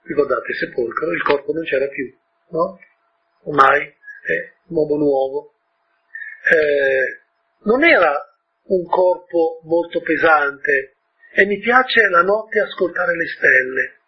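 A man with a husky voice retelling a story to an audience, often breaking off with informal asides and questions to his listeners. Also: on the high side, slow pace, highs cut off.

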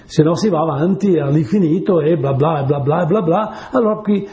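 A man's voice: fairly high pitch, fairly quick, warm tone, echoey room. A man preaching a sermon in a chatty way, telling stories and often asking his listeners whether they follow. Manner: chatty, asks the audience "capite?".

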